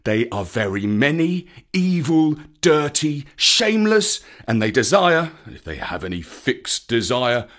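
A man voicing a wise old male bear who lectures a boy slowly and emphatically in a storybook reading. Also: mid-range voice, sing-song, a bit bright. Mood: stern, solemn. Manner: slow, solemn and emphatic.

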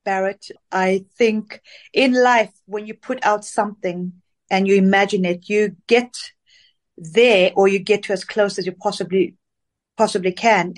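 A woman singer from Zambia answering interview questions in a chatty, rambling way with many fillers over a remote call. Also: mid-range voice. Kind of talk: casual interview.

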